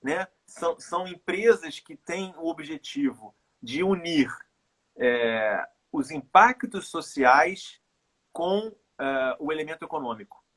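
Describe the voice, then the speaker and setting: A middle-aged man with a Carioca accent speaks in a husky, somewhat high voice. He talks reflectively in a casual live chat, often pausing and repeating words as he works through a thought. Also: expressive, fairly bright tone. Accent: Carioca Brazilian Portuguese. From Rio de Janeiro, Brazil. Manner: reflective, halting, repeats words while thinking. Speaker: guest, runner and author.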